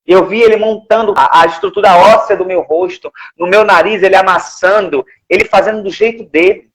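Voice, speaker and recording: A Brazilian man testifying in church, earnest and emotional. His voice sits high, and he circles back over his own words. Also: fairly even intonation, brisk, rough recording. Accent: Brazilian Portuguese. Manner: earnest, emotional, repeats phrases.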